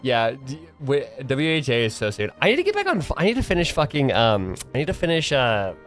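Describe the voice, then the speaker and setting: This young male streamer talks alone with a mid-range voice that swings widely in pitch, moving fairly quickly with a fairly bright tone over soft background music. Nasal and congested from a cold and worn out from the morning, he wanders through his thoughts with plenty of fillers and frequent restarts.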